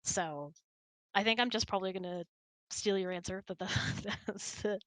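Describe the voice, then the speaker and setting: Bright-voiced woman chatting casually. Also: medium pitch, moderate pace, no echo. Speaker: host answering audience questions. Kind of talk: casual chat.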